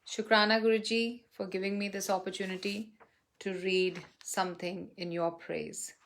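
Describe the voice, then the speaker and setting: A woman reading a written devotional testimonial aloud in a reverent, measured way, phrase by phrase with pauses. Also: mid-range voice, little pitch movement, a little hiss or hum.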